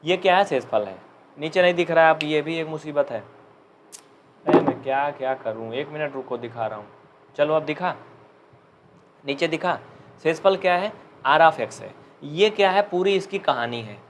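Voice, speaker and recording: A young man with an Uttar Pradesh Hindi accent teaching maths in a live online class, chatting and joking, and dictating slowly. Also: on the high side, noisy background.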